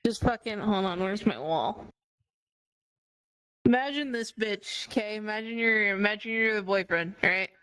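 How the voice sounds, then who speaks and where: A woman's voice: mid-range voice, normal speed, a bit bright, clear, resonant tone, low-quality recording. A woman co-hosting a stream, joking crudely in casual banter. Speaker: streamer, co-host. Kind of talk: casual chat.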